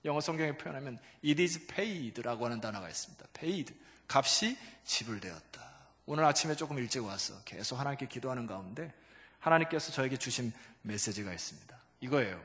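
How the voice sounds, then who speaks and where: Booming Korean pastor in echoing church. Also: male voice, expressive, brisk. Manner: emphatic, swinging from loud exclamations to hushed low asides; calls out to the congregation for responses. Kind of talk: sermon. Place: church sanctuary. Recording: long reverb of a large church hall.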